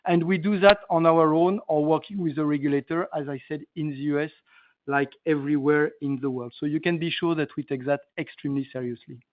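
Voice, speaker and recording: A male company executive answering analysts on an earnings call in a halting, emphatic way, repeating phrases for stress. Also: on the high side, fairly even intonation, no echo. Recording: narrow tinny phone line.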